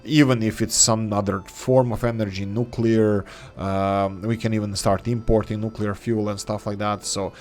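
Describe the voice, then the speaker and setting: A man hosting a gameplay video who thinks aloud as he plays, speaking English as his third language and often pausing with fillers and restarts. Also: fairly low pitch, level tone, darkish tone. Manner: hesitant, many fillers and restarts. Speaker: game let's-play host.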